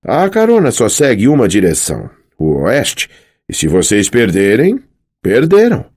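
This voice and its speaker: A man's voice: on the low side, wildly swooping pitch, a little slow, a little mellow, slightly rough, pitched above the performer's own voice, heavily acted. A man reading an audiobook, voicing a boastful, teasing young male sun god in a raised, showy voice. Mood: playful boastful. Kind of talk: audiobook character voice.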